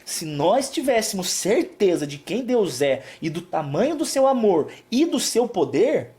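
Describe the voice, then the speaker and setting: Soft-spoken man preaching a calming devotional. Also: sits high. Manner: soft and calming, hushing, then emphatic. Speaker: pastor. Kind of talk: devotional preaching on a live stream.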